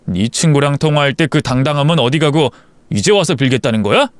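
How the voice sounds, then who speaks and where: A man narrating a family story in first person, calm in narration and harsh and scornful when confronting. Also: mid-range voice, quick pace, no room sound.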